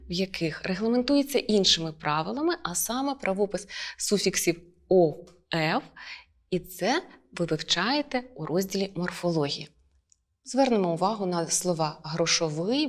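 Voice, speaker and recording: Woman teacher going through spelling rules, slow and careful, hits each example word. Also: medium pitch. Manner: clear, measured, stresses each example word. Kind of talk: lesson.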